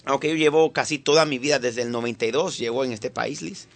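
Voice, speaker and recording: A man from Venezuela hosting a casual Christian radio show, chatty and quick to laugh, with plenty of fillers. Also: medium pitch, gravelly. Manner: animated, laughs easily, many fillers. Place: radio studio.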